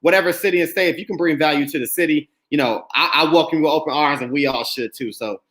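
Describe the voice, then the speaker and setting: Male podcast host, outspoken and emphatic, bright forceful tone. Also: fairly high pitch, fast talker, reverberant. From Indianapolis, USA. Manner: emphatic, animated, speaks his mind. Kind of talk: casual podcast discussion.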